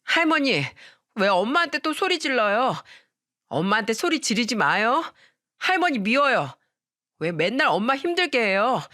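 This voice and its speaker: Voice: big pitch swings, moderate pace, pushed and bright. A storyteller voicing a small boy who tearfully begs his grandmother to leave his mother alone. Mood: pleading. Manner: pleading, tearful, high childlike.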